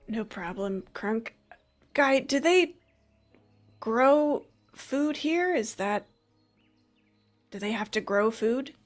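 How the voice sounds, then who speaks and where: A woman speaks in character at a tabletop game, full of quick, curious questions. Her voice sits a little high. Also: animated, faint music behind. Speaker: player.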